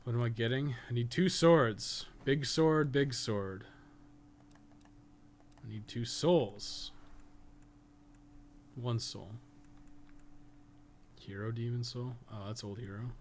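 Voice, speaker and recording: A man's voice: mid-range voice, takes it slowly, pauses often, slight background noise. A man giving casual, rambling livestream commentary while he plays a game, blunt and slangy with some swearing. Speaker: game livestreamer and podcast co-host.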